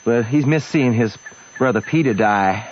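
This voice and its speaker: A man plays a young American bumpkin with a mid-pitched voice, chatty and naive in a rustic way. It is old radio drama acting, dull in sound with faint noise. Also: moderate pace, lightly acted. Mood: chatty, friendly.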